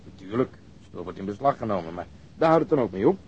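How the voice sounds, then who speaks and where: An actor playing a sardonic police detective in a Dutch radio drama, telling things in a dry, ironic way. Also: male voice, on the low side, big pitch swings, quick pace, husky, full character voice. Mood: dryly ironic. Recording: muffled radio drama recording.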